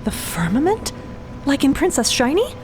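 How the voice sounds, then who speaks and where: A woman's voice: high-pitched, huge pitch swings, normal speed, a little mellow, faint music behind, voice pushed up. A woman voicing a curious, eager young comic-book fan in a fiction podcast. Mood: curious, amazed. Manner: eager, wondering. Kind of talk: fiction podcast character acting.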